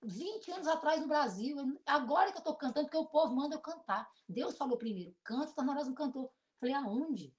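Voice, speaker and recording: A middle-aged woman pastor with a Brazilian accent and a deep voice, preaching an emotional sermon built on personal testimony. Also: fairly quick, few pauses. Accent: Brazilian Portuguese. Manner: emotional, animated storytelling with shifts between loud and soft.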